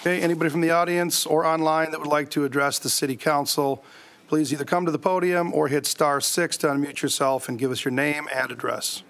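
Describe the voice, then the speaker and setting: A man chairing a city council meeting as mayor, reading agenda items in a brisk, procedural way at a desk microphone in a council chamber. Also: a little high, fairly even intonation, creaky, a bit bright, a little hiss or hum.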